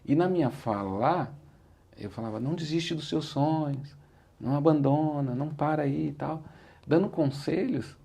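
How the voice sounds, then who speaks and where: A motivational speaker being interviewed tells his story at a normal pace, his voice on the high side, gravelly, mellow and slightly rough. He has a Brazilian Portuguese accent, sounds earnest and reflective, and repeats "said like this" when quoting himself.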